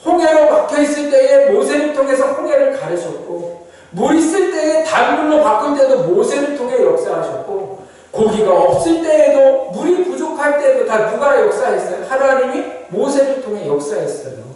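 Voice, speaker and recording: A man preaching as a pastor, constantly asking the congregation questions and swinging between raised, emphatic lines and low, quiet ones. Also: big pitch swings, normal speed. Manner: asks the congregation rhetorical questions again and again. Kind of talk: sermon. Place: church sanctuary. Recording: very echoey church, voice from a distant mic.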